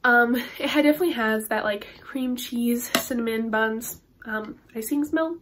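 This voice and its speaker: A woman's voice: on the high side, normal speed, background noise. Stuffed-up teenage girl chatting about candles. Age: teens. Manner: chatty, rambling with many ums and likes. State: stuffed-up nose. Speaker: beauty and candle vlogger. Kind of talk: casual haul review to camera. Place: bedroom with Christmas tree and curtains, indoors.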